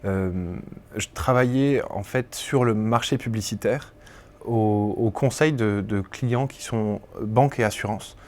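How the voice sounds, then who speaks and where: Lower-voiced man explaining his job. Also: unhurried, a little mellow. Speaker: advertising intern. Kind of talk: testimonial interview.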